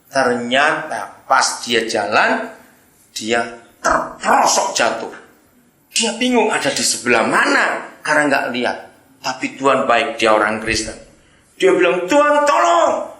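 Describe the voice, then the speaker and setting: A male preacher tells a story in his sermon with a lively, swooping delivery, acting out voices and sound effects. His bright voice rings in an echoey room. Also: medium pitch.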